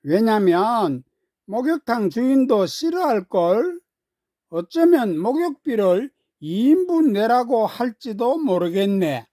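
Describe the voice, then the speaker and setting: A woman voicing a smug young schoolgirl in a children's story, teasing in a mocking, drawn-out way. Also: fairly high pitch, very animated, dark tone, no room sound, studio quality, pitched above the performer's own voice, full character voice.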